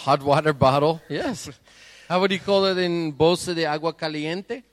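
A man hosting a live stage show, presenting informally in short, halting phrases. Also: fairly high pitch. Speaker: stage show performer and host. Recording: reverberant hall, music behind.

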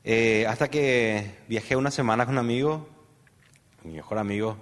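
A man with a Paraguayan Spanish accent tells his personal story as an interview guest. He rambles, with plenty of fillers and tag questions. His voice sits at a middle pitch, and a long reverb rings after it as if he were in a large hall. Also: moderate pace. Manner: rambling storyteller, many fillers and "¿verdad?" tags.

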